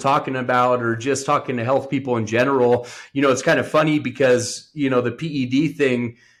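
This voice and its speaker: Speaking at a moderate pace, a man uses a normal speaking voice. His pitch is fairly high and his intonation fairly even. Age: 30s. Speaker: personal trainer. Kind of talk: casual interview chat.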